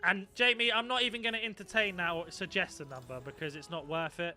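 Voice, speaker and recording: A man's voice: high-pitched, steady tone, quick pace, sharp tone, soft background music. A young man chatting casually on a live stream, swearing freely and reacting to his viewers. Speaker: gaming streamer.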